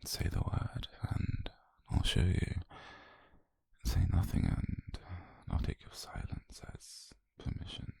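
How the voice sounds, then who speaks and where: A British man playing a calm, possessive, obsessed doctor in an intimate ASMR roleplay, speaking slowly and haltingly in a husky, breathy near-whisper. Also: dry recording, natural voice. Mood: obsessive, intimate. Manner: slow, halting, intimate delivery.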